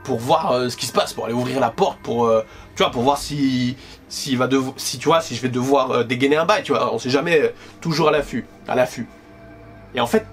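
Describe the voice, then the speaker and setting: A man telling a paranormal storytime to camera in a casual, slangy, animated way, constantly addressing the listener. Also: medium pitch. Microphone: directional microphone.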